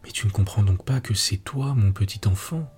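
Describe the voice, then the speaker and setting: A man voicing a tender, forgiving woman in whispered role-play, soft and breathy. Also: fairly low pitch, normal speed, soft background music, natural voice. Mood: fervent.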